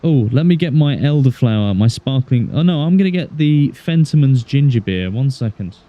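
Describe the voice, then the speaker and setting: A man's voice: medium pitch, expressive, normal speed, warm tone, dull audio. A man from Galway with a west of Ireland accent, chatting casually and commentating on his game as a livestreamer, musing aloud in an easygoing, wry way. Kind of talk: casual chat and gameplay commentary.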